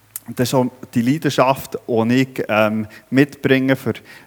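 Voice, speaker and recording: This man's medium-pitched voice moves at a fairly slow pace, recorded dry and close with no echo. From Switzerland, Emmental region (Burgdorf). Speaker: guest preacher, former farmer. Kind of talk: sermon. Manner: hesitant, many fillers.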